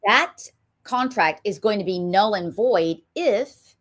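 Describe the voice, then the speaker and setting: A woman's voice: mid-range voice, expressive, slow, fairly bright tone. A woman with a Southern US accent, hosting a political talk show and speaking emphatically, with frequent ums. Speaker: show host.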